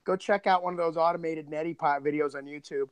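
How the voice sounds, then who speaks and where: A man co-hosting a podcast, chatting casually in an animated, joking way. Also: on the high side, fast, clean tone, no room sound. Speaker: podcast co-host and producer.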